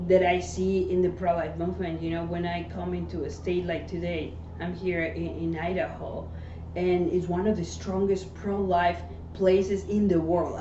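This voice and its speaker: A woman's voice: on the low side, warm tone. Woman, earnest testimony, frequent "right?" tags, dull recording with faint hiss. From Mexico City. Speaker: interview guest. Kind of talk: personal testimony in conversation. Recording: echoey room, dull sound, faint hiss.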